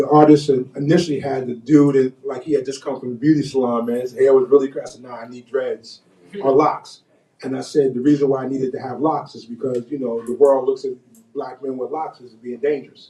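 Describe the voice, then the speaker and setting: A man talks at a fairly quick pace with a plain, everyday voice and an American accent. His pitch sits in the medium range, with fairly even intonation. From North Carolina. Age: 60s. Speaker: author and speaker. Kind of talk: interview at a book event. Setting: bookstore event with audience.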